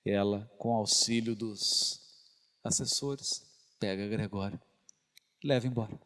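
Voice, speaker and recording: A man's voice: lowish voice, slow pace, a bit bright. A man giving a spiritist lecture, telling a story with rhetorical questions to the audience. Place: lecture hall. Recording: reverberant lecture hall.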